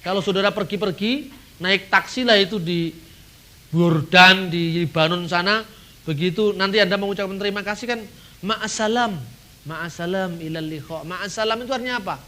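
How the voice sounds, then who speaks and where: Man, middle-aged, seminar speaker, animated, crisp bright tone. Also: high voice, normal speed. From Indonesia. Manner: animated, acts out dialogues, chuckles. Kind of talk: lively seminar talk with Q&A.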